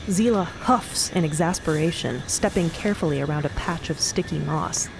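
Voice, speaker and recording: A woman's voice: deep voice, normal speed, gravelly, noisy background. A woman narrator reading scripted, dramatic storytelling for an audio drama.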